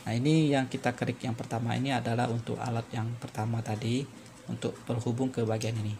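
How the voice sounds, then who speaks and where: A man presenting an unscripted step-by-step repair tutorial, halting and repetitive as he explains. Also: medium pitch, little pitch movement, noisy background.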